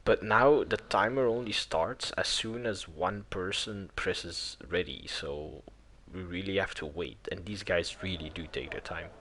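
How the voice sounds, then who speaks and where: Chatty Belgian-born race commentator. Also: male voice, deep voice, unhurried, few pauses, pushed and bright, a little hiss or hum. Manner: chatty, laughs easily, restarts sentences. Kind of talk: sim racing commentary.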